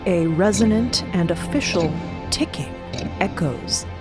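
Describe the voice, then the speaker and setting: A woman's voice: on the low side, animated, a little slow. A woman giving scripted dramatic narration as the narrator of a fiction podcast. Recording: clear music bed behind.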